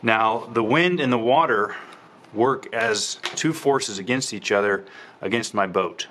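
A lower-pitched man in his forties teaches sailing basics in a patient, explanatory way, posing questions and then answering them. He talks close to a handheld camera outdoors on a docked sailboat, with faint outdoor noise behind him. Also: a little slow, a bit bright. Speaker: sailing instructor. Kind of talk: hands-on instructional walkthrough. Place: outdoors on a small sailboat at a dock.

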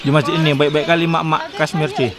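A man's voice: a little high, little pitch movement, quick pace. A young man chatting casually on a travel vlog, laughing often and mixing in broken English, filmed on a handheld phone outdoors. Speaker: vlogger. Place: outdoor park among a seated crowd. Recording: outdoor crowd chatter behind.

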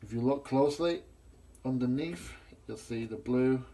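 In this hands-on repair demo, a gas engineer in middle age walks through a boiler test plainly while recording on a handheld phone in a small workshop. He speaks a little slowly, with a medium pitch and a dark tone.

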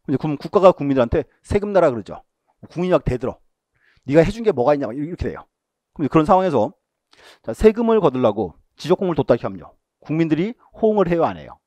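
A man lecturing for an exam-prep course, his pitch rising and falling a lot as he poses questions and answers them. His tone is warm and mellow and a little high for a man. The recording is dry and close, with little room sound. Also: dry recording. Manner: repeats key terms, tells students what to mark.

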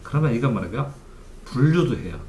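A man's voice: medium pitch, animated, brisk. Man lecturing on study steps. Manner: asks the class questions and answers them himself. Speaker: study coach. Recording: echoey room, faint background noise.

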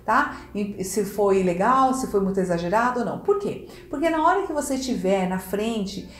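A woman with a Brazilian accent giving a casual coaching lesson in an expressive, demonstrative way, often checking in with quick tag questions. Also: mid-range voice. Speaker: communication coach. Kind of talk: casual instructional video talk. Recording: echoey room.

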